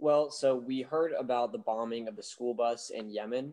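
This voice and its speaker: A man with an American accent talks with fairly even intonation. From Texas. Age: young. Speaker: activist. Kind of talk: interview. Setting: video call livestream.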